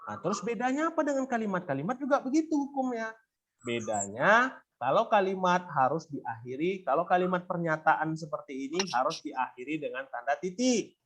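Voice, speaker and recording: A man with an Indonesian accent teaches a grammar lesson in a classroom, his voice high and sing-song with a fairly bright tone. He moves briskly, putting questions to his students and prompting them to answer.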